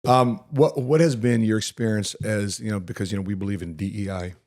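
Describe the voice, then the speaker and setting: A man's voice: fairly low pitch, fairly even intonation, fairly quick, a little mellow. A man hosting a podcast, asking long, rambling questions full of fillers in an upbeat tone. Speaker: podcast host. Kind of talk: casual podcast interview.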